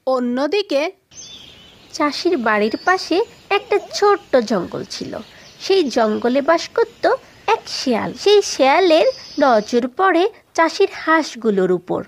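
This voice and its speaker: A woman narrating for children as the storyteller and host of a cartoon channel. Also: high voice.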